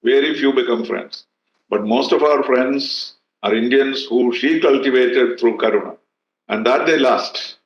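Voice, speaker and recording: A man hosting an interview, asking questions in a halting way with many fillers. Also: medium pitch. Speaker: host. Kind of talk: interview chat. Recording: roomy dull lo-fi sound.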